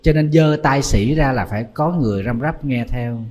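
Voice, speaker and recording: A man, a Buddhist monk giving a lively storytelling sermon full of exclamations. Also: mid-range voice, normal speed.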